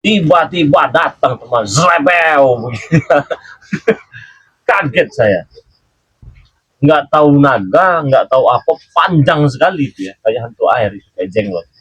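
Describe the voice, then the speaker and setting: A man's voice: on the high side, lively intonation, measured pace, a bit bright, husky, no room sound, poor audio. A man hosting a live stream, telling a rambling story with frequent chuckles and questioning a child. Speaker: channel host.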